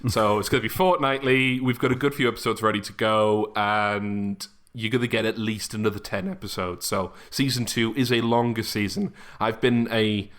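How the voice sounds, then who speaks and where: A man's voice: fairly low pitch, steady tone, moderate pace, hardly any pauses, a bit bright. A man chatting casually as a podcast host, bantering and poking fun at himself. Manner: bantering, self-deprecating. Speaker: podcast host and audio drama creator. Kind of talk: casual chat.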